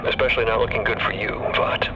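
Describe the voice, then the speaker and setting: Stern commissioner over noisy radio. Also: male voice, on the low side, fairly even intonation, fast talker. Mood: stern, officious. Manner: formal, clipped, bureaucratic. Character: stern, officious male government commissioner, easily flustered. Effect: radio transmission filter. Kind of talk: audio drama acting. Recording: muffled, noisy radio transmission.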